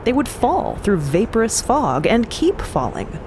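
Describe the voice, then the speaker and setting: A woman narrating a scripted story in a conversational way, with clear ambient noise behind her. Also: on the high side, sing-song, a little slow.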